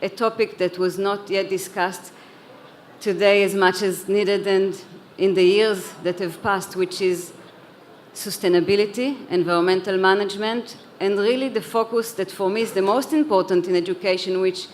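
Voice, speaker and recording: On a conference hall panel, a woman raised in Israel who leads an education organization talks with earnest conviction, occasionally restarting or repeating a word. Her medium-pitched voice is steady and moderately paced, with slight background noise.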